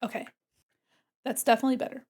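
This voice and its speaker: A woman's voice: quick pace, darkish tone. A woman streaming her art, congested from a cold, chatting casually with viewers and murmuring to herself as she works. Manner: chatty, answers chat questions, murmurs to herself while working. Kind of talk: casual chat with viewers while drawing.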